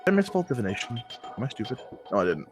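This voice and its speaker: A man's voice: mid-range voice, very animated, racing, faint music behind. A man playing a tabletop game, hesitant and self-deprecating, with many fillers. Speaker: player. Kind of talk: in-character tabletop role-play.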